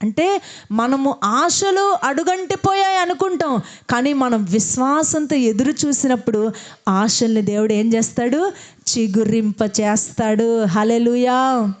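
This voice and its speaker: A woman with a fairly high voice preaches a sermon. She asks her listeners questions and answers them herself, then leads everyone in prayer. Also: unhurried.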